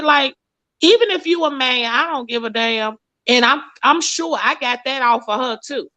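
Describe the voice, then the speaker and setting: Blunt woman with a bright voice. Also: high voice. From Mississippi, US. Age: late 30s. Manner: blunt, profane, animated. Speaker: host. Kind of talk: casual talk show commentary. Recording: lo-fi stream audio.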